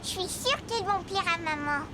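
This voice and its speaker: Very high-pitched curious little boy. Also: expressive, moderate pace, background noise. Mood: eager, polite. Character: curious, polite four-year-old boy, stubborn at bedtime. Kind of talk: French-language children's cartoon dialogue.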